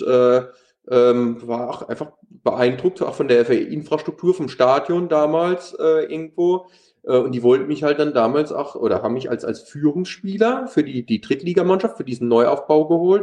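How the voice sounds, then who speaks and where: A man's voice: mid-range voice, a little mellow, roomy sound. A man in his thirties with a Palatinate German accent, a former pro footballer and youth coach talking in an interview, hesitant with many fillers and restarts. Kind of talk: interview, casual talk.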